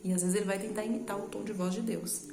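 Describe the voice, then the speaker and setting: A woman's voice: medium pitch, steady tone, quick pace, creaky, echoey room, music in the background. A woman with a Brazilian Portuguese accent, preaching a sermon in a conversational, explaining way that uses rhetorical questions. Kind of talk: sermon teaching.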